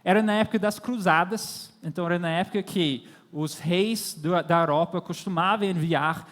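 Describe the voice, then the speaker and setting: High-voiced young man preaching in echoey hall. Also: normal speed, a bit bright. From born and raised in France, Irish parents. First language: not native in Portuguese. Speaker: missionary, guest preacher. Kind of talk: sermon to a congregation, with storytelling. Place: large church hall, speaking to audience. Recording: echoey hall with long reverb.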